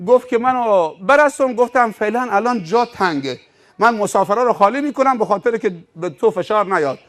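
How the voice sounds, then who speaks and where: A man's voice: high-pitched, animated, a bit bright. A man voicing a frightened rich driver in a sermon story, who apologises and stammers. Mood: pleading.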